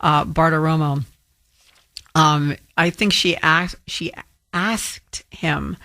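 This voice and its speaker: A woman's voice: deep voice, fairly even intonation, slow, sharp tone, no room sound. Dry-voiced, argumentative female radio host. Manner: firm and argumentative, with frequent ums. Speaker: fill-in talk radio host. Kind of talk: talk radio commentary rebutting a caller.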